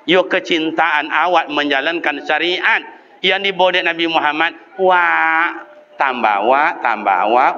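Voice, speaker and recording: A man with a Kampar Minang Malay accent preaching a lively sermon in a mosque, chanting lists and imitating sounds and calls. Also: a little high, muffled recording, a little hiss or hum. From Riau, Indonesia.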